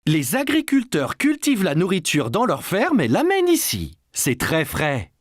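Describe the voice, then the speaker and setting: A man's voice: sits high, wildly swooping pitch, normal speed, no echo, clean studio sound, exaggerated voice. A man voicing a patient, friendly father who explains things simply in a French-dubbed children's cartoon. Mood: explaining.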